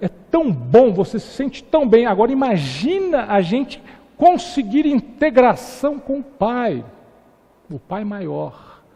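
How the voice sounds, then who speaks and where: Over noticeable background noise, a man talks at a very slow pace with an extremely high pitch, very wide pitch swings and big swings in loudness. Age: 60s. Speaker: spiritist lecturer, retired professor. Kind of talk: religious lecture. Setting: spiritist center with audience.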